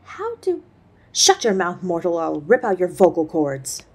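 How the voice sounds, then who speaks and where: Audio roleplay villain: centuries-old demon mother, played by a woman, lowish husky voice, regal, scornful, threatening. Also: wildly swooping pitch, moderate pace, a little mellow, heavily acted. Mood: furious. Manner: imperious, mocking, menacing. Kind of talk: scripted audio roleplay acting.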